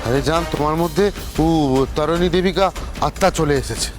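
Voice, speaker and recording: A man's voice: a little high, moderate pace, music in the background, lightly acted. An actor playing a flustered, hesitant household man in a television serial drama. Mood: alarmed.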